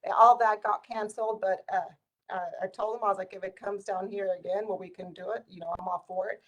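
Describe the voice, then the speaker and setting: A middle-aged woman who grew up speaking Spanish talks in a relaxed, conversational storytelling style. She has a medium-pitched voice and retells exchanges by quoting them in an animated manner. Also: brisk, rough recording. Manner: animated retelling with quoted dialogue. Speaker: community volunteer sharing life stories.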